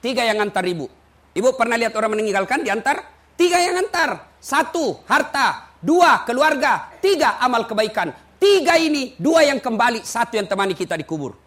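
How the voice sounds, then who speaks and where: Male preacher, very high voice, lively comic sermon delivery. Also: moderate pace. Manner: animated storytelling, acting out quotes, shouting takbir. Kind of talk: humorous sermon to a congregation.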